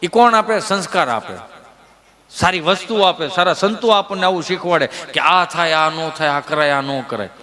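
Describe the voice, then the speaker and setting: A man doing live comic storytelling, animated and acting out family members. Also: a little high, normal speed. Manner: animated, acts out family voices. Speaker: stand-up comedian.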